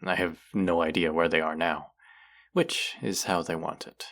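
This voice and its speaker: Man playing a low, creaky-voiced gentle immortal. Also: little pitch movement, moderate pace. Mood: hesitant confession. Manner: hesitant, confessional, softly reassuring. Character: thousand-year-old secretly immortal man, gentle, earnest, wry confidant. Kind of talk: intimate scripted audio roleplay.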